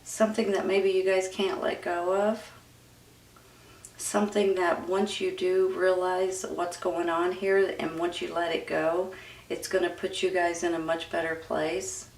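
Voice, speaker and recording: A woman's voice: lowish voice, flat delivery, measured pace. A woman giving a casual, conversational tarot reading, speaking informally and directly to her viewers. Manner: informal, addresses viewers as "you guys", seeks agreement. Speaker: tarot reader and host. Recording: roomy echo, distant from the mic.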